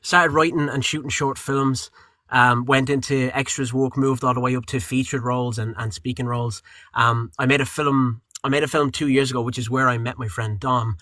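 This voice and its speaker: A male voice actor chatting freely, his tone bright and forward and his words wandering with lots of fillers and restarts. the sound is dry and close, recorded in a booth with little room echo. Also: mid-range voice, moderate pace. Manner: rambling, relaxed, with frequent fillers and restarts. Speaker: voice actor and audiobook narrator. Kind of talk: casual interview chat.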